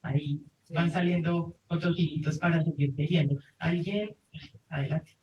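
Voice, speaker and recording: A man moderating a group conversation, thanking speakers and gently inviting others to speak. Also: fairly high pitch, fairly even intonation, normal speed, lo-fi sound. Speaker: moderator of the circle. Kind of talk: hosting a group talk. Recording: roomy, far off the mic, faint noise.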